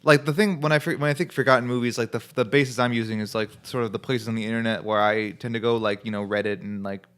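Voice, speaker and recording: A man's voice: mid-range voice, steady tone, fast, a bit bright, clear, resonant tone. A young man co-hosting a podcast, chatting casually in a rambling, joking way with lots of fillers. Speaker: podcast co-host. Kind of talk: casual chat.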